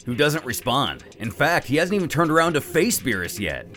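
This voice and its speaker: A man's voice: a little high, big pitch swings, fairly quick, sharp tone. A man narrating a dramatic story recap in a theatrical, suspenseful manner, with music playing behind him. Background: background music.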